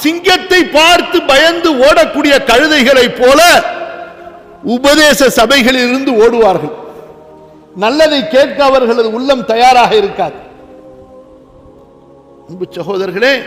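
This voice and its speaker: A man preaching an impassioned sermon, rising to shouts and slowly chanting scripture. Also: very high-pitched, faint music behind. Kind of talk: Islamic sermon. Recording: long hall reverb.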